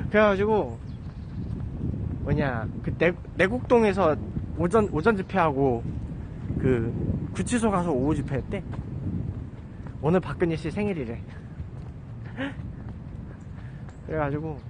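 With a voice on the high side and a noisy background, a man in his thirties livestreams while walking down a residential street. He holds the phone at arm's length and rambles casually, slipping in self-mocking remarks.

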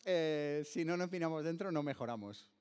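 Middle-aged Spanish host, slightly high voice. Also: male voice, normal speed, a little mellow, clear, resonant tone. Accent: Spanish from Spain. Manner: conversational, leads with short prompts. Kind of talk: interview host questions. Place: event stage. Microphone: studio mic on stand.

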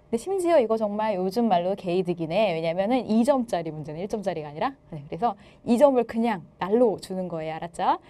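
A woman teacher walks students through exam answers in a playful, joking way. Her voice is mellow and warm, and her pitch moves up and down in big, lively swings. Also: quick pace, hardly any pauses. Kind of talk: exam explanation lecture.

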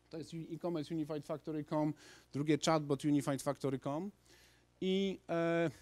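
A man in his thirties giving an energetic conference talk in a large lecture hall, speaking into a handheld microphone with frequent restarts. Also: fairly high pitch. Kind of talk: lecture presentation to an audience.

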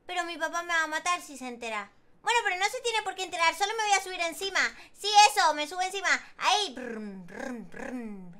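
A woman's voice: very high voice, bright, forceful tone, heavily acted. A woman voicing a small, mischievous girl in a game roleplay, dramatic and fretting aloud to herself. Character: small, mischievous girl afraid of her dad. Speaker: Roblox roleplayer.

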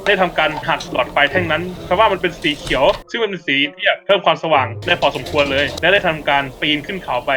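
A man taking his turn in an improvised storytelling game, narrating in a brisk, mock-formal way with small stumbles. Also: fairly high pitch, over music. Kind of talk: improvised storytelling among friends.

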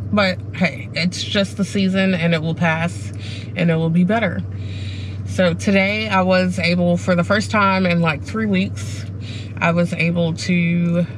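A middle-aged woman vlogging casually to a dashboard camera in a car, talking in a candid, rambling, self-reflective way. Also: lowish voice. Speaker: running vlogger. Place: sitting inside a parked car. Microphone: camera mounted on the dashboard. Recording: clear car and background noise.

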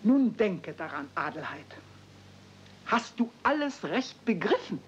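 Stern, easily shocked housekeeper, haughty radio-play delivery, very lively intonation, muffled old tape. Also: female voice, medium pitch, measured pace. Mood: exasperated. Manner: haughty, formal, scolding. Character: stern, easily shocked middle-aged German housekeeper lady. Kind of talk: 1970s radio play acting. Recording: muffled, noisy old cassette with hum.

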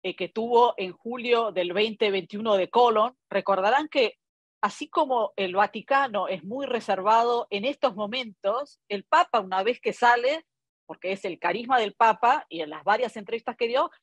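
A woman in her fifties with an Argentine accent, Italian by birth, speaks over a laptop webcam from a book-lined home study. She talks in a thoughtful, unhurried way, stopping often on "eh" fillers. The sound is dry, with no room echo. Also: a little high, lo-fi sound. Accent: Argentine Spanish. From born in Italy, raised in Argentina. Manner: thoughtful, many hesitations and "eh" fillers. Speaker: foreign correspondent guest. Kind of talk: relaxed conversational interview. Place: home study with bookshelves, indoors. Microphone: laptop webcam on a video call.

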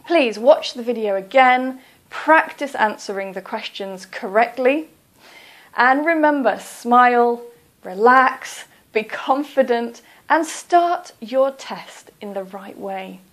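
A woman gives a spoken English lesson for exam learners, with a slightly high voice. She talks slowly and carefully, spacing out each point for the listener. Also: expressive. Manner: careful, deliberate, instructive. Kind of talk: slow, clear lesson narration.

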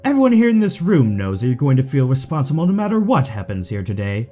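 A man acts out a smug, aristocratic audio drama villain with a mellow tone. His pitch swoops theatrically as he taunts and condescends, with music playing underneath. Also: huge pitch swings, fast. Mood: mocking, condescending. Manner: mocking, drawling, condescending.

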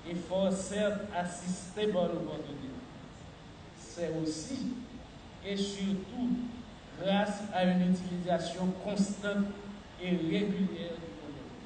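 A middle-aged man gives a formal, measured speech as a health official at a podium mic in a large hall. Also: high-pitched, a little mellow. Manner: measured, deliberate official delivery. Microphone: podium mic on a stand. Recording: echoey hall, far from the mic, noisy.

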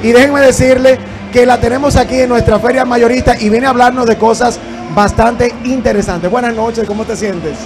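A man in his thirties hosting a TV interview at a trade fair, upbeat and quick with his questions on a handheld mic. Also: extremely high pitch, steady tone, music in the background. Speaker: TV show host. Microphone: handheld microphone.

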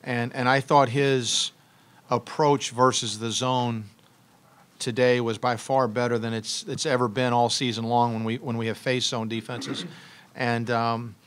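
A middle-aged man coaching a college basketball team fields questions after a game. He talks into a table mic in a press room, pausing, restarting and filling gaps with ums as he works out his answers. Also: medium pitch, level tone, a bit bright. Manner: halting, many restarts and ums, thoughtful. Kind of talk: postgame press conference. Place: press room with logo backdrop, seated at table. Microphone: table mic on stand.

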